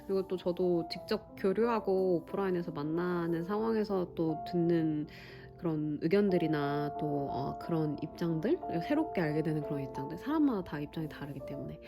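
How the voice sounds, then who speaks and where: A woman's voice: fairly low pitch, lively intonation. Thoughtful Pilates teacher woman over music. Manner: thoughtful, measured, with frequent pauses and self-corrections. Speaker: Pilates studio director and instructor. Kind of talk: reflective teaching monologue to fellow instructors. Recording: music playing clearly under the voice.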